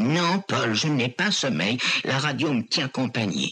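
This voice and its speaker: Putting on a raspy character voice, a man of medium pitch talks at a fairly slow pace, his pitch swinging very widely while his loudness stays very even. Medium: read story. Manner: nervous, fretful.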